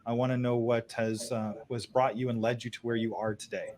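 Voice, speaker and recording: A man's voice: medium pitch, flat delivery, fairly quick, a little mellow. A man hosting a podcast, asking a guest friendly, probing questions about his career. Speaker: podcast host, interviewer. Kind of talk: conversational interview.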